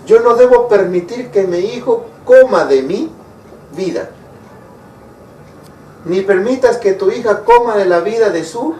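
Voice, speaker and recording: A man's voice: high voice, a little mellow, a little hiss or hum. A man preaching a sermon, asking his listeners rhetorical questions and acting out short quoted lines. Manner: asks the congregation rhetorical questions. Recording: echoey room, mic far off.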